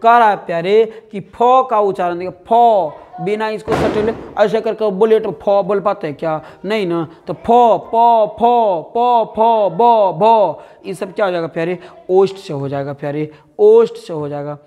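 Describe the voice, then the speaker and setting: A man's voice: high-pitched, normal speed, hardly any pauses, a little mellow, dull audio. A male teacher with a Bihari accent giving an exam-prep lesson. He repeats words over and over and keeps asking his students questions, calling them "dear". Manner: drills answers, repeating words and asking the class.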